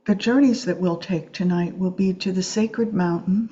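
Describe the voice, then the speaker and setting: Low, mellow woman guiding meditation. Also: highs cut off. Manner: gentle, soothing, unhurried with long pauses. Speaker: meditation teacher. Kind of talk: guided Yoga Nidra meditation.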